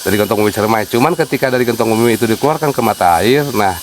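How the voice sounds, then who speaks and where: Speaking rapid-fire in a lowish voice, a Sundanese-accented site guide from West Java still explains things unhurriedly, with lots of fillers. A little hiss or hum sits under the audio. He's being interviewed casually outdoors at a wooded sacred site.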